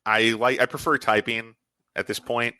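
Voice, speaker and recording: A man's voice: medium pitch, steady tone, moderate pace, bright, forceful tone, no echo. A man hosting a podcast interview, talking in a rambling, hesitant way with lots of restarts. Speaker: podcast host.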